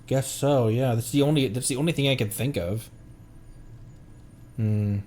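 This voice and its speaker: A man's voice: mid-range voice, moderate pace, dark tone. A man streaming a game with casual commentary, often stopping and restarting as he talks.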